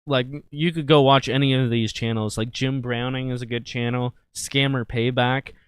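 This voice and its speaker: A man's voice: mid-range voice, fairly even intonation, moderate pace, smooth, no echo. A man hosting a livestream with casual, satirical talk in a crude, irreverent, jokey manner. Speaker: livestream host.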